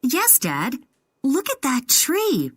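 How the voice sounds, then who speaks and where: A woman's voice: sits high, huge pitch swings, drawn-out words, breathy edge, no echo, studio quality, heavily acted. Woman voicing an eager daughter in an exam dialogue. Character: daughter Kathy on a hike, listening-test dialogue. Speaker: listening-test speaker.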